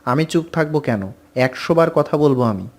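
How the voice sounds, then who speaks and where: A man's voice: a little high, animated, normal speed. A man voicing a teasing older brother, bantering with his little sister in a read-aloud story. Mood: bickering. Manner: mocking, bantering.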